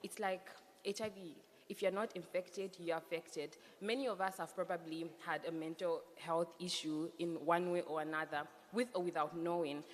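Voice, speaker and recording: A woman's voice: on the low side, fairly even intonation, moderate pace, few pauses. A young woman from Zambia moderating a youth panel discussion, speaking in an earnest, emphatic way and repeating her key points. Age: young adult. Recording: hall reverb with faint background noise.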